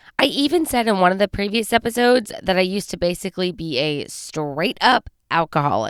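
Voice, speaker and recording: Her pitch sits in the medium range, yet it swings very widely as she talks at a fairly quick pace with hardly any pauses. The sound is dry and close with no echo. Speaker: podcast host. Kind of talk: solo podcast monologue. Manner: casual, chatty.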